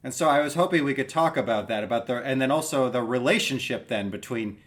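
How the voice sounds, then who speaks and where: A man's voice: medium pitch, fast. A man hosting a podcast interview, greeting his guest and asking friendly, rambling questions. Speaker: podcast host.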